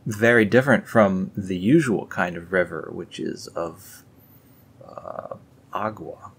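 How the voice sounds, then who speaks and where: A man's voice: low voice, takes it slowly, gravelly, husky. A man reading a religious text aloud and breaking off for dry, sarcastic comments in a casual tone. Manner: sarcastic, dry asides after solemn read-aloud passages. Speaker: video host reading scripture aloud. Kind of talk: casual read-along with sarcastic asides.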